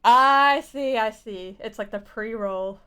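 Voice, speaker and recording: A woman game streamer giving casual live commentary, rambling and halting as she thinks aloud. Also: a little high, a bit bright, smooth.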